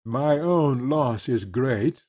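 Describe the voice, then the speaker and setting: A man playing a courteous, reserved gentleman colonel in a dramatised classic novel, formal and restrained, with a husky voice. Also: mid-range voice, lively intonation, very slow. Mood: regretful, firm.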